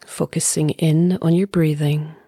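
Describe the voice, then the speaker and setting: Slow, breathy woman guiding meditation. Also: sits low, dry recording, clean studio sound. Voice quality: soft, breathy. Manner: calm, gentle, unhurried with long pauses. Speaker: meditation teacher. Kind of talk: guided meditation.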